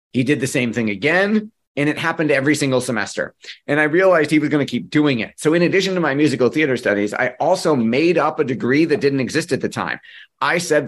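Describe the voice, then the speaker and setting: Middle-aged man telling a workshop story. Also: medium pitch. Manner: lively, conversational storyteller who acts out dialogue. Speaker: marketing coach. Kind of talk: workshop presentation with personal storytelling.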